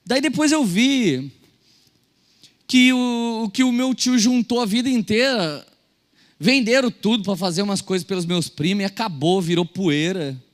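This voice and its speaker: A young adult Brazilian man preaching a sermon as a pastor, telling stories and acting out quotes, shifting between loud and soft. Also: high voice, a little slow. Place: church service hall. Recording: church hall reverb.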